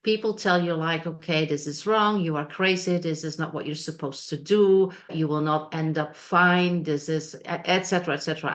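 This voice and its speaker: Low-voiced woman hosting a talk show. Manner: encouraging, with frequent affirming interjections. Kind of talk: interview hosting.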